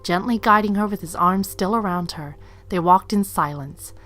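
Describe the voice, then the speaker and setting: A woman's voice: medium pitch, normal speed, fairly bright tone. A woman reading scripted third-person story narration as the narrator of an audio drama. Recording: faint music behind. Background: faint music.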